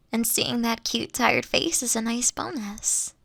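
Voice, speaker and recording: A woman playing a caring, affectionate boss in an intimate audio roleplay, coaxing and gently teasing, at times dropping to a near-whisper. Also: a little high, gravelly, no echo, heavily acted. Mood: warm, teasing. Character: caring, doting older female boss courting her sweet employee.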